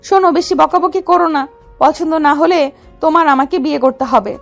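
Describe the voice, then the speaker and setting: A woman's voice: high voice, moderate pace, gravelly, faint music behind. An actress playing a young, possessive female mafia don who speaks in a domineering, teasing way in an audio drama. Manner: domineering, teasing, calls him baby.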